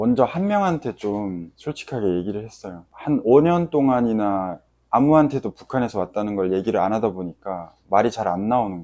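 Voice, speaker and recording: Using a dark, mellow tone and fairly low pitch, a man talks at a moderate pace with lively intonation, big swings in loudness and hardly any pauses. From North Korea, North Hamgyong province. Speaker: North Korean defector, university student. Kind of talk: interview testimony. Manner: casual conversational.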